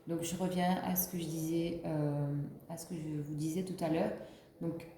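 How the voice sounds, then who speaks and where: A woman's voice: low-pitched, steady tone, moderate pace, warm tone, roomy sound, slight background noise. A woman with the flu giving a casual spiritual card reading, rambling with many fillers and restarts. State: has the flu. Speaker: card reader.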